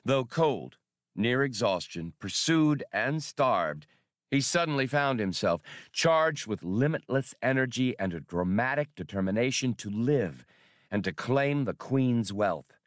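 A man reading scripted adventure fiction as an audiobook narrator, in a measured, dramatic storytelling manner. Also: mid-range voice, expressive, no room sound, studio quality.

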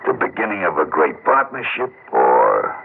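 A man's voice: very deep voice, huge pitch swings, moderate pace, vocal fry, exaggerated voice. An actor playing a scheming, tough male gangster with blunt, ungrammatical street talk in a 1960s radio drama. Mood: menacing. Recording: tinny, hissy old radio broadcast.

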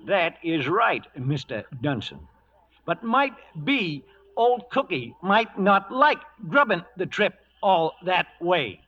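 An actor playing a crusty, loyal old cowhand in a radio western, with a folksy American Western drawl and mumbling, toothless speech. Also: male voice, sits high, sing-song, takes it slowly, bright, forceful tone, heavily acted. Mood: stubborn, wheedling. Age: older. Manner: folksy, rustic, cantankerous. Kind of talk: 1940s radio western acting. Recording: dull vintage radio recording, faint music.

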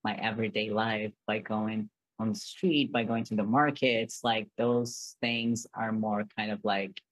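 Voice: mid-range voice, little pitch movement, unhurried, no room sound, poor audio. Guest, rambly w lots of "like", dry close sound. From Brazil. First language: Portuguese. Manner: rambling, many "like" fillers and restarts. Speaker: podcast guest, artist. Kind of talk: casual interview chat.

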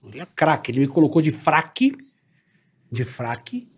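A middle-aged man, telling a story in casual chat, animated and swearing. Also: a little high, moderate pace, husky.

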